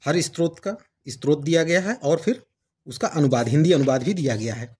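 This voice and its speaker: A man's voice: on the high side, animated, a little fast, a little mellow, breathy edge. A man hosting his own channel, explaining a devotional book in a casual, conversational way and reading passages aloud. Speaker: channel host reviewing books. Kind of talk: casual book review talk.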